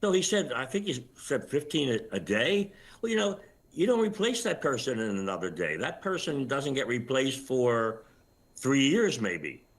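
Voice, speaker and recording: An older man giving commentary as an expert guest in a live news interview, explaining things in a measured, halting way. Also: mid-range voice, sing-song. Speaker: retired air traffic controller, interview guest.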